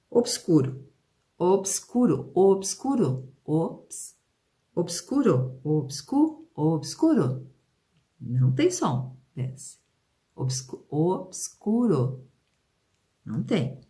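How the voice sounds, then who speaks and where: Brazilian woman teacher for a kids' video lesson; lowish, very expressive pitch, unhurried, stretches words out, asks the class questions. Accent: Brazilian Portuguese. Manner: slow, drawn-out pronunciation of example words; questions and prompts aimed at pupils.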